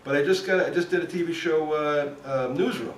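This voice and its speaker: A man's voice: a little high, brisk. A man who is a former cop turned actor, from New Jersey, telling stories in a casual chat and acting out what people said. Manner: animated storyteller acting out quotes. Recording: echoey room, voice a bit far from the mic, faint background noise.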